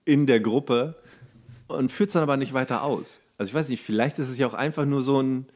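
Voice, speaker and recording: A man's voice: mid-range voice, a little fast, a little mellow. A man in his thirties chatting casually as a podcast co-host, rambling and rephrasing mid-sentence. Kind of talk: casual chat.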